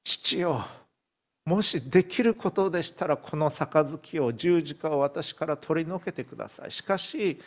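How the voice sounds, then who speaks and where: A man's voice: on the high side, measured pace. A male pastor quoting Jesus in a solemn, pleading tone during a sermon. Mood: pleading prayer. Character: Jesus, a gentle grave male teacher.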